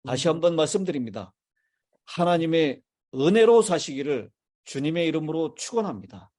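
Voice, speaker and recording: A man's voice: a little high, animated, moderate pace, mellow. A man, a pastor, preaching a sermon in a church and putting questions to his congregation. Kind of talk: sermon with congregation call-and-response. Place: church sanctuary.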